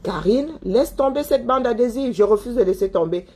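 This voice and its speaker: A Cameroonian woman, a commentator answering viewers, speaks in a fairly high, animated voice at normal speed, with a dark and slightly rough tone. She delivers a heated monologue, scolding her listener, repeating herself and firing off rhetorical questions.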